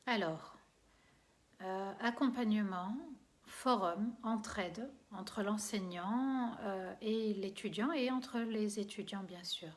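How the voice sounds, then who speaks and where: A woman religious teacher answers viewer questions live, in a mid-pitched voice. She is hesitant, with many fillers and restarts. Her phrases often trail away softly. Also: takes it slowly.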